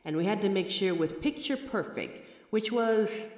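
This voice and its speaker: A patient, wry mirror reflection, voiced by a man, explains itself to the listener in a chatty roleplay. The delivery is lively, swinging widely in pitch. The room rings with echo and a long reverb tail. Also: normal speed. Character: a person's own mirror reflection, a sentient light being, patient and wry. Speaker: audio roleplay voice actor. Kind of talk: scripted audio roleplay addressed to the listener.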